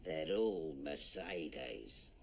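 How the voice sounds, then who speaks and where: A man's voice: rumbling low, lively intonation, very slow, slight background noise, full character voice. An actor playing a friendly, well-off middle-aged taxi firm owner from Birmingham, with a Birmingham accent, easygoing and boastful about his money. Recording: studio audience laughter behind.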